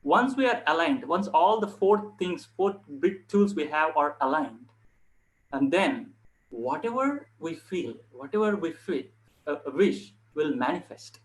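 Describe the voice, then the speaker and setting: A man giving an informal instructional talk as a yoga instructor, speaking earnestly in short, halting phrases to online viewers. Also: a little high, animated, poor audio.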